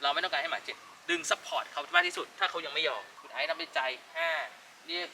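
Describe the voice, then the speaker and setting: A man coaches dog owners outdoors, talking quickly and giving one instruction after another. His voice is high and gravelly. He sounds set back from the mic, with traffic and dogs clearly heard behind him. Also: steady tone, pushed and bright, far from the mic. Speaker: dog trainer. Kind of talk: coaching owners during a dog training session.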